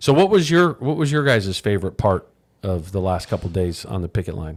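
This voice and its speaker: Loud and fairly quick, a man talks at a fairly low pitch with very wide pitch swings. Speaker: radio host. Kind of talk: casual chat.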